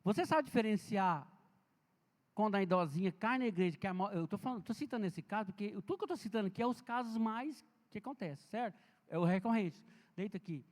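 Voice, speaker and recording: A man's voice: high voice, lively intonation, quick pace. A man giving an informal seminar talk on health and safety in a church, chatty and storytelling, talking straight to the audience. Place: large church hall. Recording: long reverb in a big church hall.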